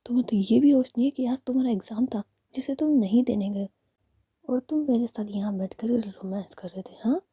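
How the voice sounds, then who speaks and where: A jealous young woman whispered by a female storyteller scolds in a sharp, raised hush. The voice is husky and dark, close and dry. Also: on the high side, moderate pace, no room sound. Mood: scolding.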